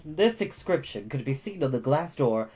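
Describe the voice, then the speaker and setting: A man reading a storybook aloud as host, with expressive narration and the odd casual aside. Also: a little high, creaky, muffled recording.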